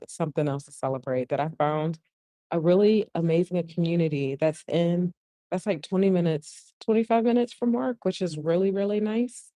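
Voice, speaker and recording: A woman in her forties, speaking, hosting a casual livestream. She talks softly to keep her voice down, reads viewer comments aloud and laughs often. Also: deep voice, no echo, studio quality. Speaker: livestream host. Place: shared co-working space. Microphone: earphones mic.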